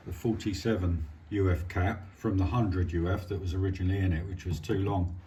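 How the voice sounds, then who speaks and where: A hobbyist presents a radio repair, thinking aloud as he works with his hands in casual, hesitant, understated commentary. His low, dark voice stays steady and brisk, and the home recording is clearly noisy with clicks.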